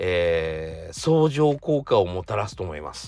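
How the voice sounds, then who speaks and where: The pace of this man's speech is very slow. Nothing sounds behind him, and the recording is very clean. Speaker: guitarist and online guitar teacher. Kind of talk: solo podcast talk to listeners. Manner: casual, chatty, uses many fillers.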